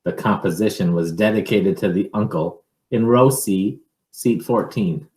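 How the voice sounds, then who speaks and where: Slow-reading man in an echoey room. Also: on the low side. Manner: measured, expressive, pausing to wonder aloud. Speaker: reader, teacher reading a picture book aloud. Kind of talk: picture-book read-aloud with informal asides to children.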